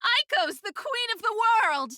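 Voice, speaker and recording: A woman's voice: big pitch swings, a little slow, pushed and bright, dry recording, studio quality, heavily acted. A woman voicing a girl crowing in childish triumph, hollering in a singsong way. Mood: gleeful triumph. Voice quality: high, childish. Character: girl gleefully crowing self-praise like a six-year-old.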